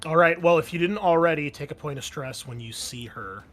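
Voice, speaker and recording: A man's voice: on the high side, brisk, a bit bright, soft background music. A man speaking casually as a game master, narrating scenes and explaining rules to players.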